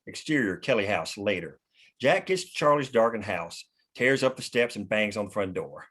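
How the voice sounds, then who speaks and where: A man's voice: fairly low pitch, lively intonation, moderate pace, fairly bright tone, husky. A man hosting a script table read, reading stage directions and chatting casually. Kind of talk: script narration and casual discussion.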